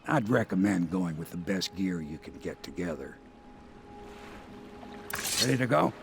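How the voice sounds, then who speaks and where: A plain-spoken, deferential boatman in a video game. His voice is deep and gravelly, humble and practical, with faint watery noise behind. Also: animated, a little slow, exaggerated voice. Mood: respectful, helpful.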